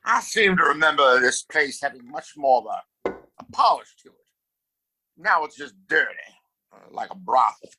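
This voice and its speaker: A man plays a rich, domineering town boss in a Western radio play. His bright voice swings widely in pitch as he hands out orders with condescension and open scorn. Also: big pitch swings, moderate pace, slightly rough, full character voice, rough recording. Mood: haughty. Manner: condescending, commanding. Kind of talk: Western audio play acting.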